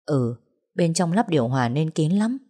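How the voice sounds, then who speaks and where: A woman voicing a calm, gentle young woman who speaks softly. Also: low voice, normal speed. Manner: soft, mild speech.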